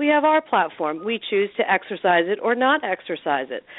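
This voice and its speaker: Her pitch rises and falls very widely. The woman keeps a moderate pace. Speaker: panelist.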